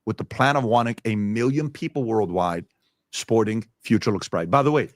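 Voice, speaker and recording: A man's voice: on the low side, moderate pace, dry recording, studio quality. A man in his forties giving a motivational business presentation in an emphatic, confident way. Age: 40s. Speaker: business owner presenting results.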